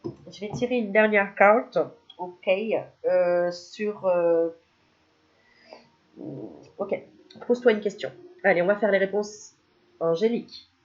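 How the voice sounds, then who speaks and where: A woman's voice: medium pitch, highs cut off. Chatty joking woman with a cold. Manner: chatty and joking, laughing often between remarks. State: has a cold. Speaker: spiritual medium doing card readings. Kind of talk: casual card reading addressed to viewers.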